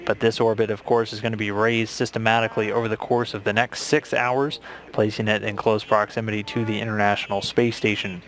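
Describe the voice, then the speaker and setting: An American man giving measured, matter-of-fact live commentary from mission control. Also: on the low side, flat delivery.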